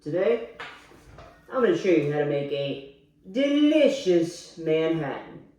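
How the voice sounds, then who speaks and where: A man's voice: a little high, very animated, a little slow, mellow. A drunk man hosting a casual cocktail tutorial online, talking in a slangy, crude, boisterous way. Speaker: YouTube host. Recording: echoey room, faint background noise.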